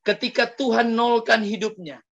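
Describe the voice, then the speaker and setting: A male pastor telling a story in an animated sermon, often addressing the congregation directly. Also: very high voice, normal speed, lo-fi sound. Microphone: livestream sermon mic.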